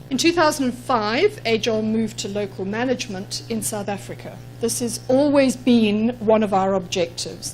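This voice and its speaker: A Zimbabwean woman presents at a conference in a mid-pitched voice, measured and explanatory, with frequent ums. A faint hum sits under the recording. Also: a little mellow, rough recording. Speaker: conference speaker. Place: conference room.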